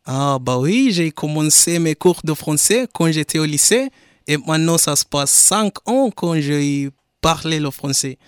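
A man's voice: fairly high pitch, expressive, measured pace, clean tone, dry recording. Young male Kenyan radio guest, Swahili first language, slightly raised voice, dry studio sound, careful speech. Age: young adult. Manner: careful, simple phrasing in a second language. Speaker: musician and English teacher. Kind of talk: radio interview answers in English and French.

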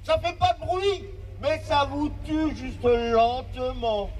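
A man in his fifties with a very high voice delivers an impassioned, oratorical testimony. He builds it with dramatic pauses and repetition. He sounds set back from the mic, with a faint hiss behind him. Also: steady tone, recorded from a distance. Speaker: care aide giving a testimony.

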